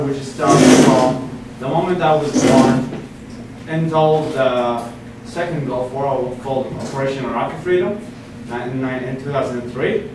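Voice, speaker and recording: A young Iraqi man in his 20s, a guest speaker, delivers a public lecture in a meeting room to a seated audience, using a mid-range voice. He is earnest but restarts often and uses fillers. A podium mic picked up by a far camera leaves him sounding distant, in an echoey room with audible noise.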